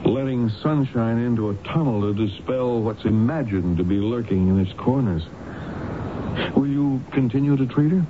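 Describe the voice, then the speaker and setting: A man's voice: medium pitch, moderate pace, lightly acted. Man acting a probing colleague on muffled radio. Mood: concerned, probing. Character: concerned, probing colleague of a doctor. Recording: muffled, noisy old radio broadcast.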